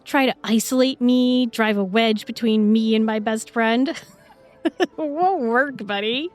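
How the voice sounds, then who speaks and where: A woman's voice: a little high, takes it slowly, faint music behind. An actress playing a feisty, sarcastic modern young woman in a fantasy audio drama, sassy and confrontational in casual slang. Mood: defiant.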